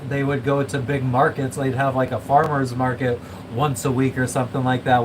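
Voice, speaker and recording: Rambling, swearing man over a noisy hum. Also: medium pitch. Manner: rambling, swears a lot, self-described monotone. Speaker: vlogger. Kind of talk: casual chat. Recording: noisy room with air conditioning and traffic hum.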